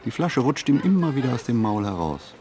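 An actor playing a reflective writer in a literary radio play, speaking his monologue in measured, deliberate phrases. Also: mid-range voice, big pitch swings, crowd noise, lightly acted. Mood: observant. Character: reflective male writer musing on writing and society. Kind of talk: literary radio play monologue, scripted first-person narration.

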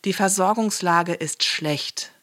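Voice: mid-range voice, takes it slowly, bright, forceful tone. An actor in a satirical radio play voicing a glib, officious speaker who lectures formally on looming doom. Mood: urgent, officious.

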